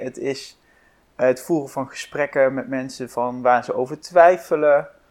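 On a very clean recording with a silent background, a man with a slight Brabant accent speaks at a fairly slow pace, with fairly high pitch and fairly even intonation. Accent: slight Brabant soft G. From Brabant, southern Netherlands. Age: 20s. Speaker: political candidate and policy adviser. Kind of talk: interview.

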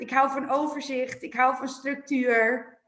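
A woman's high-pitched, enthusiastic voice amid audible room echo. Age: 30s. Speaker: executive secretary. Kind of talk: interview.

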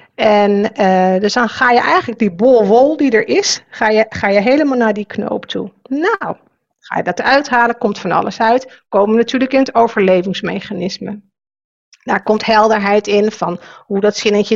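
A woman speaks at a fairly high pitch, keeping a moderate pace. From Netherlands, Drenthe. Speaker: shamanic coach and leadership trainer. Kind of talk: conversational interview. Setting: video call.

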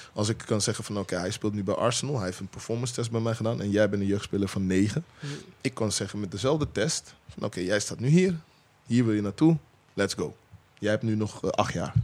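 Speaking at a very fast pace, a man uses a fairly low pitch. His pitch variation is ordinary. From Netherlands, Rotterdam. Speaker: former footballer and performance coach. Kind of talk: casual chat.

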